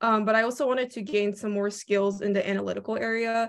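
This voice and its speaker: A woman at a fairly quick pace, with monotone, flat intonation. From Japan. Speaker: university student; panelist. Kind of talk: panel Q&A. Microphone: video call.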